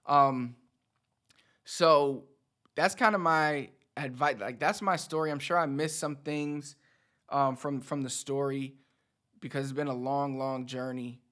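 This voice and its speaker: A man in his thirties with a higher, fairly bright voice talks to camera as a Spanish teacher and channel host. His motivational chat is casual and conversational, full of repeated words for emphasis.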